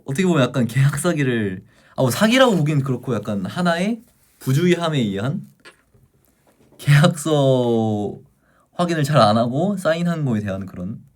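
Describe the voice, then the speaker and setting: A man's voice: medium pitch, very animated, normal speed. A young man hosting a livestream, chatting animatedly as he retells a book's plot to his viewers. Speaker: livestream host. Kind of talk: casual livestream chat retelling a book.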